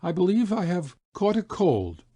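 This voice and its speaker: A man's voice: high-pitched, very animated, moderate pace, dark tone, slightly rough, no room sound, voice pushed up, full character voice. A man voicing a hungry, self-pitying poor father who mutters and rambles hesitantly. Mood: fretful, self-reproachful.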